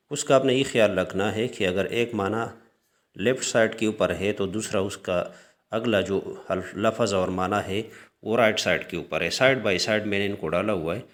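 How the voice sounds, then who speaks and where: Brief: male teacher, deep low voice, slow lesson with frequent hesitations. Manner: clears his throat often. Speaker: language teacher. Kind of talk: screen-share language lesson.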